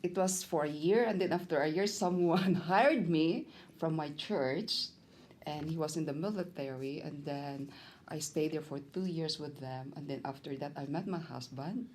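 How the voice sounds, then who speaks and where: Filipina guest, really low voice, animated storytelling. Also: female voice, moderate pace, a little hiss or hum. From Philippines. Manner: animated, laughs between phrases. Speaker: guest, entrepreneur. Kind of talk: interview answers.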